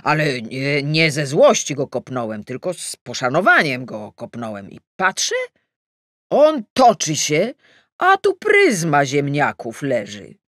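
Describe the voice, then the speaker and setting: A man's voice: fairly high pitch, huge pitch swings, a little slow, a bit bright, no echo, studio quality, exaggerated voice. A woman reading an audiobook, voicing a tipsy, boastful middle-aged man who rambles folksily about his past. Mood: boastful, animated.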